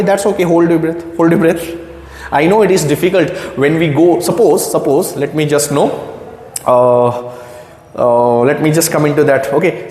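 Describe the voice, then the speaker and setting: A man teaching English as his second language in a gentle, reassuring tone. He repeats phrases and asks questions back to the listener. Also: on the high side. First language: not English. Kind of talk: motivational spoken lesson to camera. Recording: echoey room with long reverb.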